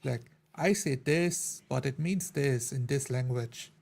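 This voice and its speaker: A man's voice: medium pitch, slow, vocal fry, a little mellow. A man talking casually as a player in a tabletop roleplay group. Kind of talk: casual chat.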